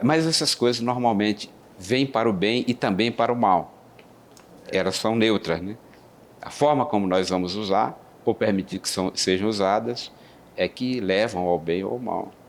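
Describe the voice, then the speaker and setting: At a moderate pace, a man with a fairly low voice and ordinary pitch variation speaks with long, frequent pauses. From Maranhão, Brazil (rural Tuntum). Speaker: judge. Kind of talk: oral history interview.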